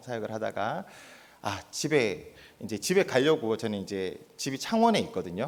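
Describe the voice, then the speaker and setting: The recording is very clean, with a silent background. A man speaks at a moderate pace with very wide pitch swings. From South Korea, Daegu. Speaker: pastor. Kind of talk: sermon. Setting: church.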